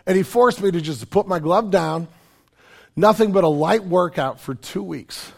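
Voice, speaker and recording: A middle-aged man, preaching a sermon in a conversational, self-deprecating way with joking asides, his voice raspy and hoarse from a cold. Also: high voice, moderate pace. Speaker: pastor.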